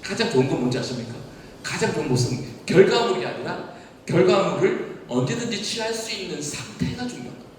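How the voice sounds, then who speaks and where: In an echoey church hall, a pastor preaches with a high voice, lively intonation, and a slightly fast pace, firing question after question at the congregation. He sounds distant, and there's a little hiss or hum.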